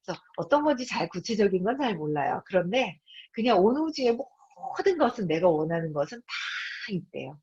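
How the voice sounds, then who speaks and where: A woman's voice: mid-range voice, sing-song, fairly quick, a little mellow, breathy edge. A woman in her fifties hosts a live-streamed book talk, speaking straight to her audience and acting out her own thoughts and voices. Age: 50s. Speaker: host. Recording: dull lo-fi sound.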